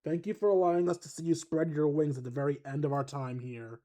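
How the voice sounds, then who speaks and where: A player voicing a formal, wistful young man giving a measured farewell speech in a game. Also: medium pitch, fairly even intonation, mellow, pitched below the performer's own voice, close to an everyday voice. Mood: solemn. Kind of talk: voice acting a game character.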